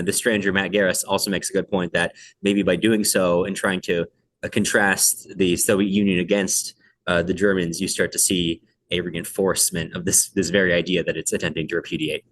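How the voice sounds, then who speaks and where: A man's voice: low voice, steady tone, a little fast, fairly bright tone, no echo. A man co-hosting a podcast, discussing books in a casual, conversational style. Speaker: podcast co-host.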